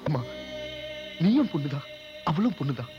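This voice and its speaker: A man's voice: a little high, big pitch swings, normal speed, dull audio, soft background music. An actor playing a grown son who pours out bitter, anguished words about his birth mother. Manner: passionate, anguished outbursts.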